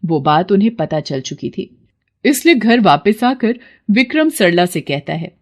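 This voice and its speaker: A woman narrating a cartoon story in an expressive storytelling manner. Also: mid-range voice, unhurried.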